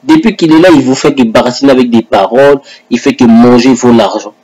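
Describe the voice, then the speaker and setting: A man delivers a combative monologue in a husky, slightly breathy voice, needling his opponent directly. His talk is defiant and challenging, pitched at an ordinary middle register. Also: brisk, dark tone, rough recording. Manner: taunting, combative, addresses his rival directly. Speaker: online religious commentator. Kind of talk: confrontational religious video monologue.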